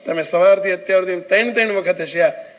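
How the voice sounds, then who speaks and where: A man's voice: sits high, fast talker, fairly bright tone, rough recording. A man voicing an anxious middle-aged merchant who calls out urgently and pleads for answers. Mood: pleading.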